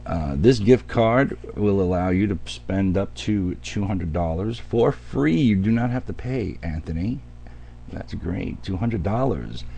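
A man's voice: low-pitched, expressive, measured pace, gravelly, mellow. A man hosting a radio show in chatty, folksy DJ patter, speaking directly to his listeners. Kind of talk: radio DJ patter, ad reads and weather.

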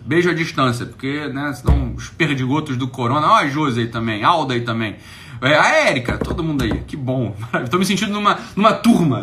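A man with a Brazilian accent runs a live stream in a loud, emphatic, casual style, cursing often and checking again and again that you get it. His voice leans high, and there's noise in the background.

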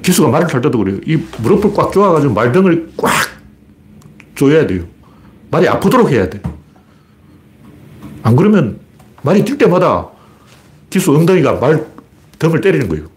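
Blunt, animated male commentator. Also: a little high, a little fast, long pauses. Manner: blunt, colloquial, argumentative with rhetorical questions. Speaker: political commentator. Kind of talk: solo commentary broadcast.

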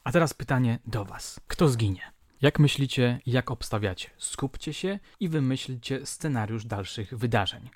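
A man of middle pitch hosts a true-crime podcast in scripted, storytelling narration. He reads old newspaper reports with relish and keeps turning to his listeners with rhetorical questions. The sound is close and dry, with no room around it. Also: normal speed, few pauses, no echo. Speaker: podcast host.

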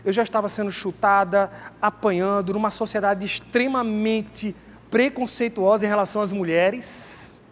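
Man doing a desperate battered woman, slow heavy pleading, high-pitched voice, long hall echo. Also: fairly even intonation, close to an everyday voice. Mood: anguished. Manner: slow, heavy, pleading retelling in first person. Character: battered, desperate woman from scripture recounting her ordeal. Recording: long hall reverb, faint background noise.

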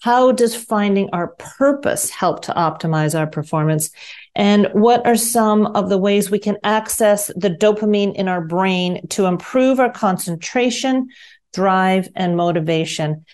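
A woman's voice: medium pitch, unhurried, a little mellow. A woman hosting a radio health show, reading a scripted intro and then asking her guest conversational questions.

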